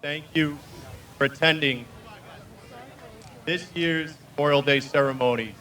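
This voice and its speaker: A man, the town's veterans service officer, introducing himself at a ceremony in a plain, slightly halting way. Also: on the high side, bright, forceful tone. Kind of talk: public address at a ceremony.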